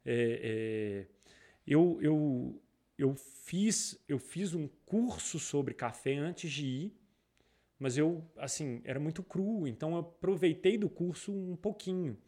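A man's voice: a little high, slow pace. A man from Brazil with a Brazilian Portuguese accent, a guest in a casual interview, telling stories with many restarts. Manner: rambling, frequent restarts, animated retellings. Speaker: guest, entrepreneur.

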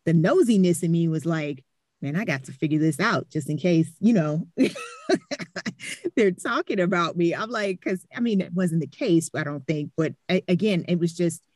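Low-voiced woman host asking questions. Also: moderate pace, no echo, studio quality. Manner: relaxed, curious, asks follow-up questions. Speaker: podcast host. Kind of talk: casual interview chat.

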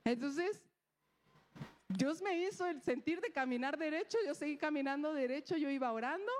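A woman's voice: high voice, normal speed. A woman preaching a sermon, mixing a personal story with rhetorical questions and acted-out dialogue.

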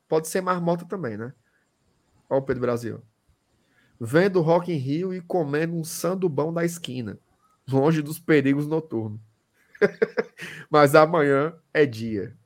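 A man hosting a casual sports chat, speaking. His voice sits fairly high and he talks in a lively way, laughing often and using a lot of regional slang. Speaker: host.

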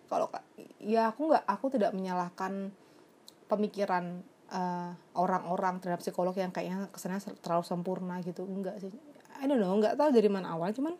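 In a relaxed confessional vlog, a young psychologist talks in a mellow, mid-range voice. She's chatty and thoughtful, uses plenty of fillers and mixes English phrases into what she says.

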